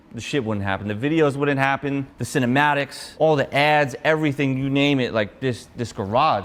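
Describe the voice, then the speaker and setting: A man with a New York accent speaks in an animated tone at a fairly high pitch. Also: ordinary pitch variation, moderate pace. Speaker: pro BMX rider and streamer. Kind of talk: livestream monologue.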